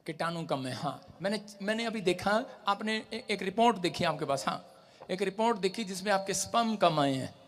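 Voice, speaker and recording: A man leading a live prayer service as pastor, commanding and repeating his orders in rising shouts. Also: sits high, expressive, normal speed.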